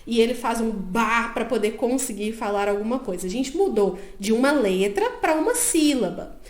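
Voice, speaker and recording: A woman's voice: on the high side, animated, normal speed. A woman psychologist, giving step-by-step advice to parents and often checking that the listener is following. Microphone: own microphone. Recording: echoey room.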